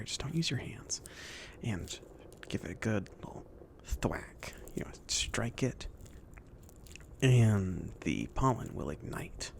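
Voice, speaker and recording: Casting: chill, kindly mage , male performer for ASMR roleplay; whispery, lightly gravelly, rambling and casual with lilting intonation. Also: fairly low pitch, heavily acted. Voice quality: soft, breathy whispering mixed with murmured speech. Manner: hesitant, casual, rambling delivery. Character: chill, friendly male mage kindly outfitting his apprentice.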